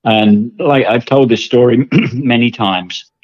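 A man's voice: medium pitch, takes it slowly, darkish tone, no echo, dull audio. An older man from England with an English accent, talking through his story as a guest with lots of fillers and repeated words. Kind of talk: casual interview.

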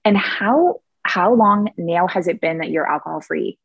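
A woman's voice: on the low side, animated, a little slow, vocal fry, husky, no room sound, lo-fi sound. A woman of thirty hosting a casual live-call interview, chatty and encouraging, with a lot of fillers. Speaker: host.

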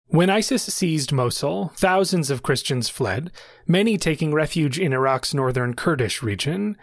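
Higher-voiced man narrating a podcast. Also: lively intonation, unhurried, no room sound, studio quality. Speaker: podcast host.

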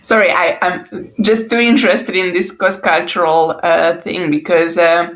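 A woman's voice: on the low side, level tone, a little slow, poor audio. A woman from Hungary with a Hungarian accent, hosting a casual interview and thinking aloud as she talks. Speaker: podcast host.

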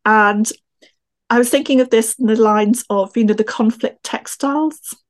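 A woman's voice: a little high, steady tone, moderate pace. A middle-aged woman with a Northern Irish accent, answering interview questions in a thoughtful, discursive, explanatory way. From Northern Ireland. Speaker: guest, textile historian and teacher. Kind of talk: conversational podcast interview answers.

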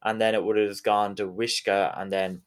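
Man, west of Ireland accent, low-pitched voice, conversational interview guest, explanatory. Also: flat delivery, moderate pace, clear, resonant tone. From Galway, west of Ireland. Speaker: interview guest, whiskey distillery representative.

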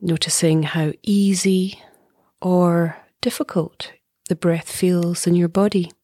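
Slow, breathy woman guiding meditation. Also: lowish voice, dry recording, studio quality. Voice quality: soft, breathy. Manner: calm, gentle, unhurried with long pauses. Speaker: meditation teacher. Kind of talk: guided meditation.

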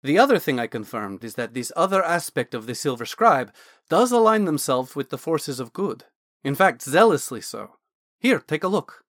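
A man's voice: fairly high pitch, sing-song, moderate pace, a bit bright, no room sound, studio quality. A man voicing a blithe dragonborn mage scholar. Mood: matter-of-fact.

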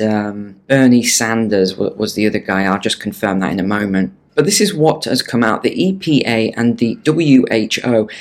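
Male video presenter, lower register, chatty and wry explainer style on current news, small-room acoustics. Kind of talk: casual explanatory news commentary to camera. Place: small room in a beach bungalow.

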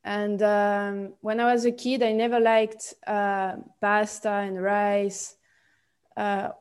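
A Swiss woman in her late twenties with a Swiss French accent, a podcast guest talking haltingly with many fillers and restarts. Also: mid-range voice, flat delivery, smooth. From Switzerland. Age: 20s. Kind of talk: podcast interview.

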